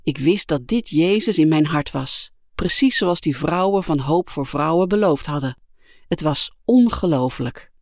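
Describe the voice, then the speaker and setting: Calm woman narrating a life story. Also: low voice, measured pace, no echo, studio quality. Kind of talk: scripted first-person narration of a life story.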